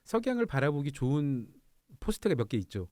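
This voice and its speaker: A man's voice: medium pitch, sing-song, brisk, dark tone, no echo. A man hosting a radio talk show, telling stories animatedly and laughing often in a studio. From Incheon, South Korea.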